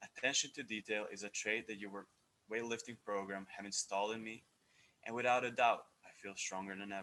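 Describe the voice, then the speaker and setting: A man with a Serbian accent, fairly low-pitched and fairly quick, with a bright, sharp tone, flat monotone intonation and big swings in loudness. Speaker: college basketball player. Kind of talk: senior speech. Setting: seated in front of a camera.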